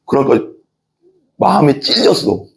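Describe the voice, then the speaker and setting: Gravelly-voiced male pastor preaching. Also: mid-range voice, big pitch swings, unhurried. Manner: earnest, conversational storytelling, emphatic repetition. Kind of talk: sermon. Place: church.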